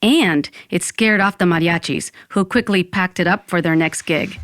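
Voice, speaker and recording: Woman acting a low-voiced wry Latina narrator. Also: moderate pace, faint music behind, lightly acted. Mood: reflective. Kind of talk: scripted first-person narration.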